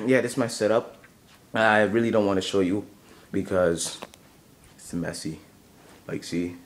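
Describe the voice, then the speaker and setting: A man's voice: on the low side, measured pace. A young man in a casual home vlog, just woken up with a groggy morning voice, rambling and hesitant with many fillers, talking from his bedroom into a camera mic. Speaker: channel owner.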